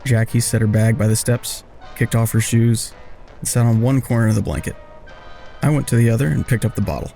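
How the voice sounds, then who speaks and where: An actor playing a wry, awkward man who narrates his own story in an audio drama with self-deprecating, deadpan, wordy humor. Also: mid-range voice, brisk, vocal fry, soft background music, natural voice. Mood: wry narrating. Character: wry, awkward smoker man narrating a reunion with old friend. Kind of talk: first-person scripted narration and dialogue in audio drama.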